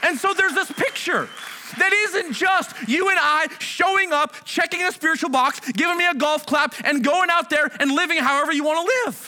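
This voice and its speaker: Amid noticeable background noise, a man with an extremely high pitch uses a raised, projected voice at very even loudness, with ordinary pitch variation. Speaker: pastor. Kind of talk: sermon. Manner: fast.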